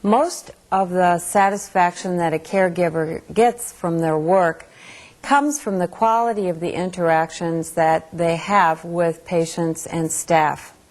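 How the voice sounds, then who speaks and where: A woman with a slightly low voice speaks as an instructor. She explains her material in a measured lecture style, addressing learners directly.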